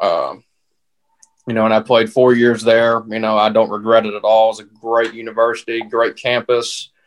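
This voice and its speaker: A man's medium-pitched voice with an Alabama accent, flat and monotone, at a moderate pace. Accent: Southern US (Alabama). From US South, Mobile, Alabama. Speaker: professional baseball pitcher. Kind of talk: casual interview.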